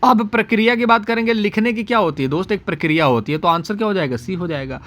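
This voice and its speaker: A man runs an exam-prep lesson at a brisk clip. His voice sits high and lively. He talks straight to his students, quotes their doubts back to them, and keeps telling them to remember the answer. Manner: explains fast, repeats key answers and says "याद रखिएगा"; addresses students directly, quotes their comments. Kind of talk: exam paper analysis lesson.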